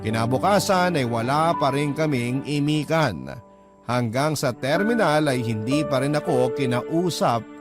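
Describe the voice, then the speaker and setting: Isang lalaking tagapagsalaysay na nagbabasa ng liham ng pag-ibig bilang kuwento sa unang panauhan. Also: male voice, mid-range voice, lively intonation, a little slow. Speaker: narrator reading a letter. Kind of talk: first-person scripted story narration. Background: music.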